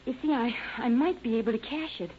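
A woman acts out a polite, anxious American shopgirl in a 1930s radio drama. Her voice sits fairly high on a muffled, lightly hissing recording. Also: fast, lightly acted. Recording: dull, noisy old radio recording.

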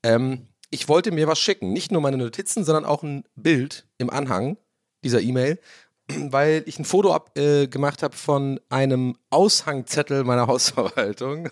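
A young man, slightly hoarse, hosting his own podcast from a room at home and ranting in a casual, swearing way. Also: mid-range voice. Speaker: podcast host. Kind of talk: casual solo podcast monologue. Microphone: own studio mic.

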